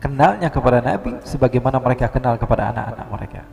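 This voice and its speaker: A man with an Indonesian accent preaching a lively, humorous sermon, storytelling with acted quotes. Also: medium pitch, racing, gravelly, faint music behind. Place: large mosque hall. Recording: reverberant hall.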